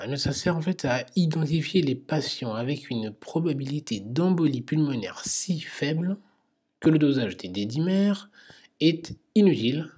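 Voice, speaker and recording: Male medical teacher, husky, hesitant explainer, quiz lecture. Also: mid-range voice, darkish tone.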